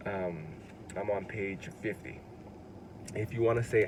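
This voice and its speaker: A man with an American accent at a fairly slow pace, with noticeable background noise. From California, US. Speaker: language tutor vlogger. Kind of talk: casual tutorial. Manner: halting.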